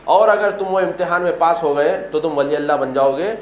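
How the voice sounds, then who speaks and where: A man's voice: fairly high pitch, a little fast, a little hiss or hum. Emphatic male religious storyteller, echoey. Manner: emphatic, repetitive, rhetorical questions. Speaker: religious speaker. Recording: echoey room, faint ambience.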